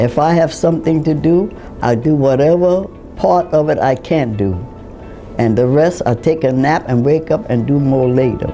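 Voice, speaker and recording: With music in the background, a woman with a very deep, low pitch speaks in lively intonation at very even loudness. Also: moderate pace. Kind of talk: interview answer.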